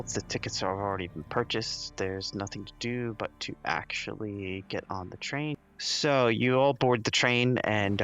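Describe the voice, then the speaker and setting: A man's voice: mid-range voice, a bit bright. A man narrating a tabletop role-playing game as game master, casual and laughing often.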